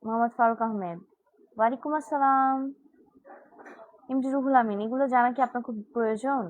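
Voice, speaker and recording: A woman's voice: on the high side, a little fast, no room sound, rough recording. A teenage girl from Bangladesh hosting a live stream, chatting casually and answering viewer comments one by one. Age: teens.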